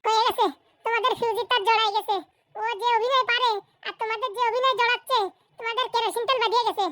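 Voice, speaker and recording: A man voicing bickering, folksy village men in a comedy cartoon, with a rural Bengali accent and a pitched-up voice. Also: steady tone, fast talker, sharp tone, no room sound. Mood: mocking. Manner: folksy, teasing, exclamatory.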